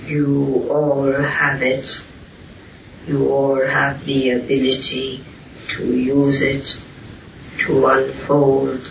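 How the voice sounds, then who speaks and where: A man speaking as a spiritual teacher, answering questions solemnly and deliberately in halting short phrases. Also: mid-range voice, monotone, gravelly. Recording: roomy, distant, muffled, hissy amateur recording.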